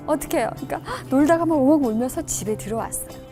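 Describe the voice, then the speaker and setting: A woman professor giving a lecture, telling stories expressively and dropping to a soft hush for emphasis. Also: high voice, fast talker, faint music behind.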